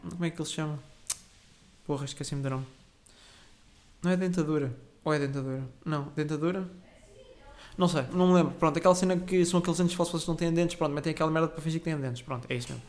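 A young man, telling a rambling, swearing, self-correcting story as a podcast host. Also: fairly high pitch. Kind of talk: casual solo storytelling.

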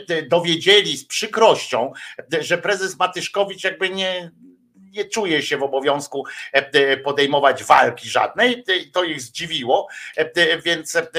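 A man hosting his own vlog, giving casual, mocking political commentary in a colloquial way, often pausing with hesitations. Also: on the high side, bright, forceful tone. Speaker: vlog host.

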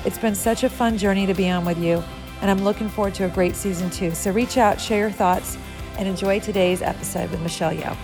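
A woman's voice: medium pitch, fairly even intonation, fairly quick, over music. A woman hosting a leadership podcast, reading a scripted intro and then asking questions on stage with small restarts. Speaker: podcast host.

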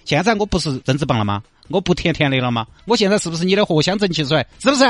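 A man's voice: a little high, big pitch swings, rapid-fire, no room sound, voice pushed up. A man voicing a hysterical young woman, a melodramatic girlfriend with a Sichuanese accent who complains in a whiny, theatrical way.

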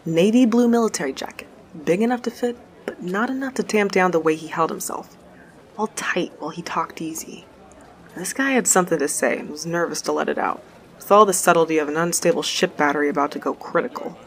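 Woman playing a low-voiced, sardonic space courier. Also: brisk, close to an everyday voice. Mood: wry storytelling. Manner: sardonic, colloquial. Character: wry, foul-mouthed, sharp-tongued space courier narrating their tale. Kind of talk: first-person audio drama narration and dialogue.

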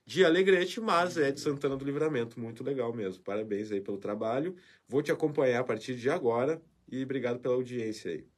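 A man's voice: mid-range voice, quick pace, hardly any pauses. A man hosting a live show, reading viewer comments in a chatty, emotional way with frequent tag questions. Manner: emotional, warm farewell talk with frequent "né?". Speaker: host.

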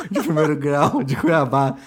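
A man's voice: fairly high pitch, fairly even intonation, slow, crowd noise. A man co-hosting a casual podcast chat, playful and teasing, laughing often. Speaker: podcast co-host.

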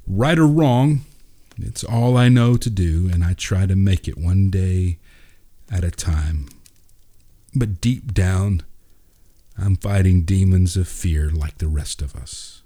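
A man voicing a grieving, hopeful widowed father in a storybook, heartfelt, measured and reflective. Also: deep voice, warm tone, exaggerated voice. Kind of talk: storybook dialogue reading.

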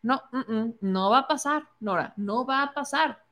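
A woman's voice: on the high side, measured pace, fairly bright tone. A woman with a Mexican accent giving opinionated political commentary, indignant and sarcastic, mocking the people she quotes.

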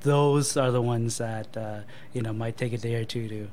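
Hesitant male guest, many pauses. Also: mid-range voice, steady tone, darkish tone, a little hiss or hum. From born in Thailand to Cambodian parents, raised in Canada. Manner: hesitant, many ums and uhs, thoughtful pauses. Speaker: marketing manager and guest. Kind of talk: casual interview answers.

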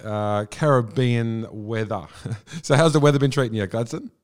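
A man with an average-pitched voice hosts a relaxed, conversational interview. His phrasing is informal and halting, often doubling back on words as he works toward his point. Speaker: interview host. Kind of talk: casual interview.

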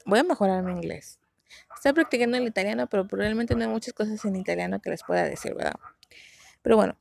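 A woman's voice: medium pitch, vocal fry, a little mellow, no room sound. A young Mexican woman chatting casually about dramas and dating limits, slangy and self-mocking. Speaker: vlogger.

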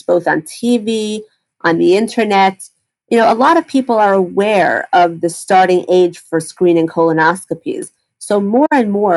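A woman's voice: on the low side, darkish tone, rough recording. A woman gastroenterologist answering interview questions, explaining in detail with frequent fillers and restarts.

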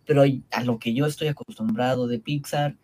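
A man's voice: medium pitch, steady tone, brisk, warm tone. A man with a Mexican accent in a casual podcast chat, rambling and tagging his phrases with little questions. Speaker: podcast panelist.

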